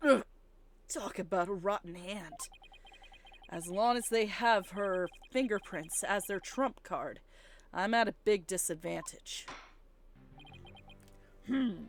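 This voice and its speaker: A woman playing through a video game, reading the characters' dialogue aloud in a theatrical, playful way. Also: mid-range voice. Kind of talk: gaming playthrough with dramatic read-aloud of characters. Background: video game music.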